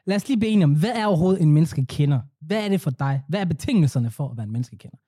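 A young man co-hosting a podcast in casual chat, animated and laughing often, dropping in English phrases. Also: fairly high pitch, slightly rough. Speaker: podcast co-host.

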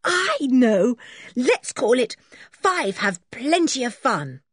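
A woman voicing a boyish young girl who speaks quickly and decisively. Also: on the high side, very animated, slightly rough, no room sound, studio quality, pitched above the performer's own voice, full character voice.

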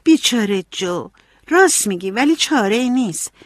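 A woman voicing a gentle, sweet young girl who makes peace between her sisters in a soft, kindly way. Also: fairly high pitch, animated, dry recording, studio quality, pitched above the performer's own voice.

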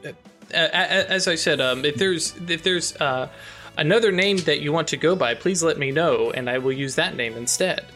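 A man narrating as game master of a tabletop role-play, talking in a halting way with many fillers and restarts. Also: fairly high pitch, bright, forceful tone, soft background music. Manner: halting, lots of fillers and self-corrections.

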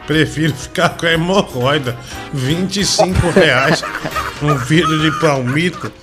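Brief: bantering comedy radio host, male, teasing, slightly high voice, music under. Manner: teasing, laughing, quick to cut callers off. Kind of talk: bantering call-in comedy show.

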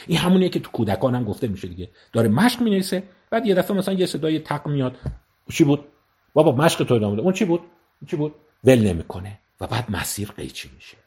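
Lively male psychology lecturer. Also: medium pitch. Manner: explains terms and repeats them slowly, acts out example dialogues. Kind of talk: educational talk.

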